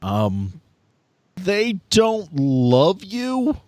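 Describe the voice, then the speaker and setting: A man's voice: sits high, huge pitch swings, very slow, a little mellow, no echo. A man running a tabletop game, narrating off the cuff and bantering casually with the players. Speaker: game master.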